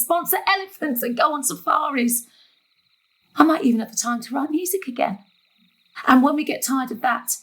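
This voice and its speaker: A woman's voice: high-pitched, a bit bright, low-quality recording. A woman playing a long-suffering, middle-aged mother with a darkly wry, conversational manner in a dramatic thriller. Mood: elated, dreamy. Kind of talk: dramatic stage-thriller monologue and dialogue.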